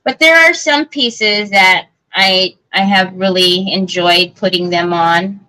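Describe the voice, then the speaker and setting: A woman's voice: mid-range voice, takes it slowly, bright, forceful tone, poor audio. A woman hosting a live crafting stream, chatting casually and answering viewer comments with lots of fillers and restarts. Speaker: craft livestream host.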